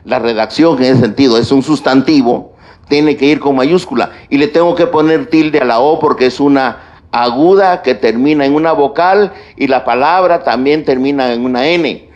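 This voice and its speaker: A man giving a university lecture on grammar, speaking deliberately and listing points one by one. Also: mid-range voice, a little mellow, highs cut off. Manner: slow, deliberate delivery with stretched pauses and lists. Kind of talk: classroom lecture on grammar and writing.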